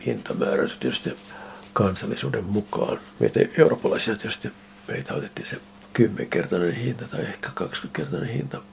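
An older man, a ceramic artist, telling lively anecdotes in a casual interview and acting out the conversations he recalls. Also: fairly low pitch, creaky, slight background noise. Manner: animated anecdotes, acting out quoted exchanges. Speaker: ceramic artist interviewed about his photos.

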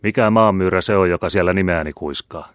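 A man plays a wounded cavalryman raving in fever, cursing and roaring orders at his men, louder and higher than the narration. The voice stays very deep underneath. The recording is dry and close. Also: dry recording, lightly acted. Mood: raving, bellowing. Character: delirious wounded cavalryman shouting battle orders.

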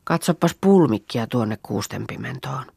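A woman voicing a practical young farm girl in a storybook, brisk and matter-of-fact. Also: extremely low pitch, expressive, vocal fry, darkish tone, slightly rough, no echo, exaggerated voice. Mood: plain.

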